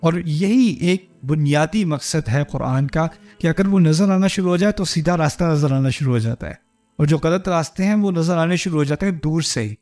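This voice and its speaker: A man's voice: on the high side, brisk, a little mellow, faint music behind. A man giving a conversational religious lecture, explaining patiently and quoting Quranic Arabic. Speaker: Islamic lecturer.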